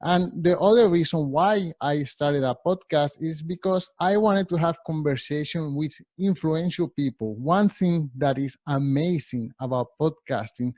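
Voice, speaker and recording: A middle-aged man with a Spanish accent presenting a workshop over a video call, often restarting words and filling pauses. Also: fairly high pitch, a little mellow, no room sound. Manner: halting, many restarts and fillers. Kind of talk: workshop talk.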